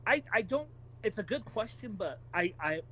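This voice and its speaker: A man's voice: sits high, big pitch swings, moderate pace, pushed and bright, a little hiss or hum. A man co-hosting a gaming podcast, speaking in a casual, informal, conversational way. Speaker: podcast co-host.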